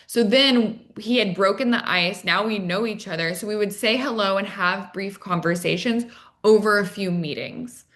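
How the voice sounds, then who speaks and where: A woman who is a dating coach appears as a podcast guest, explaining things casually at a moderate pace in a mid-range, slightly bright voice. She shares conversational advice and anecdotes, acting out little quoted exchanges along the way.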